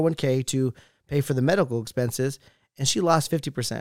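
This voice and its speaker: A man at a very fast pace with ordinary pitch variation, dry, close sound with no echo, a very clean recording with a silent background. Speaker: life insurance agent. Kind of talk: casual interview. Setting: studio. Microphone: good mic.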